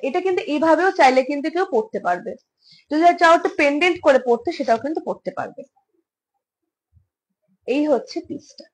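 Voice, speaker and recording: A woman's voice: sits high, low-quality recording. A woman showing jewellery pieces in a casual, chatty way, repeating phrases and mixing English words into her talk. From India. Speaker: jewellery seller. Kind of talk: casual live product showcase.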